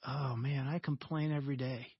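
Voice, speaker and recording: A male radio host telling a story with animated energy and acting out the people in it. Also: medium pitch, moderate pace, slightly rough, no echo. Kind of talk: conversational storytelling. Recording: slightly dull, dry studio sound.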